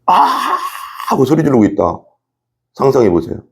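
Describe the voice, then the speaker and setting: This is a male pastor preaching, with a gravelly, creaky voice that swings widely up and down in pitch. He hammers points through repetition and keeps turning to his listeners with questions. He acts out short everyday scenes in other voices along the way. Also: lively intonation, brisk, a little mellow. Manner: emphatic, repetitive, acts out examples and asks the congregation questions. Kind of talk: sermon.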